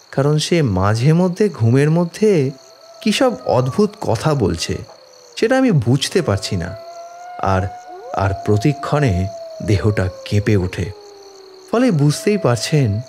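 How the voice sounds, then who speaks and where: A man's voice: fairly high pitch, dark tone, a little hiss or hum. A man playing a distraught village father in an audio horror story, pleading tearfully and deferentially for his afflicted daughter. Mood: anguished, pleading. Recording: background music under the voice. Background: dramatic music.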